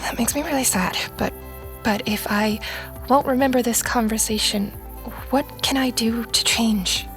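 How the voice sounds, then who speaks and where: A woman playing a bewildered, earnest sixteen-year-old girl in an audio drama, speaking in a hesitant, halting, sincere way. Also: fairly high pitch, faint music behind, close to an everyday voice. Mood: troubled. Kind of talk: audio fiction drama acting.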